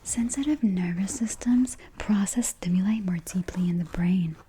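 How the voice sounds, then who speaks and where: A woman speaking in a hushed, breathy whisper, soft-spoken ASMR style, gently and deliberately reassuring the listener. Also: medium pitch, a little hiss or hum.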